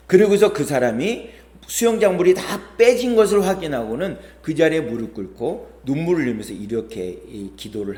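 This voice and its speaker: 목사 남성, 울리는 예배당 설교. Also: male voice, fairly high pitch, a little mellow, roomy sound. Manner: storytelling with quoted voices, rising and falling emphasis. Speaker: pastor. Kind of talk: sermon. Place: church sanctuary.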